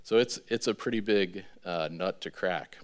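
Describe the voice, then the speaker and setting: A man in his thirties giving an informal presentation as a developer, in a halting, hesitant way with many ums. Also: sits low. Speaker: real estate developer presenting a project. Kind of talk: informal public presentation with slides. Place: large indoor meeting room with seated audience. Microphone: podium gooseneck microphone.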